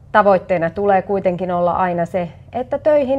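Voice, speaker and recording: A woman of medium pitch in an unremarkable speaking voice, at a fairly slow pace with lively intonation. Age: 40s. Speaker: teacher and candidate. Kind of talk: campaign video speech. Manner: formal.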